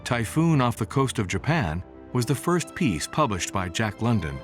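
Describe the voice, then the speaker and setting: A man narrating a documentary from a script in a measured storytelling manner. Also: medium pitch, sing-song. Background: music bed.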